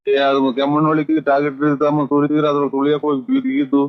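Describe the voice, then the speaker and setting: Rural comic man, pleading and flustered, slightly high voice, muffled dry lo-fi sound. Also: big pitch swings, quick pace, no room sound. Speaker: comedy performer. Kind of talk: rural prank-call comedy dialogue. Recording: dull lo-fi dry audio.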